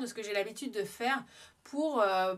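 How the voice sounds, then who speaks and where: A woman speaks at a fairly slow pace with ordinary pitch variation in a very clean recording with a silent background. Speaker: food photographer and trainer. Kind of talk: tutorial. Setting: at home in apartment. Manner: speaking very quietly; hesitant, many filler sounds.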